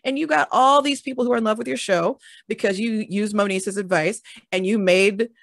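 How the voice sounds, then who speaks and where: A woman's voice: mid-range voice, a little fast, gravelly, no echo. A woman who creates audio dramas, talking frankly in a casual panel, laughing often and swearing now and then.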